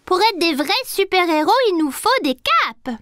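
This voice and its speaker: Very high-pitched little cartoon boy. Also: lively intonation, moderate pace, sharp tone, exaggerated voice. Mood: eager, proud. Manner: exclamatory, proud, playful. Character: excitable, confident little boy playing at superheroes. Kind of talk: children's cartoon dub acting. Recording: music behind the voice. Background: children's music.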